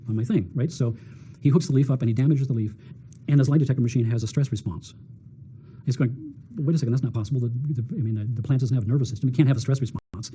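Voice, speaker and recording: A man's voice: mid-range voice, warm tone, breathy edge. A middle-aged man, a doctor being interviewed, telling stories with lots of energy, repeating words and acting out what people said. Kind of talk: animated storytelling talk.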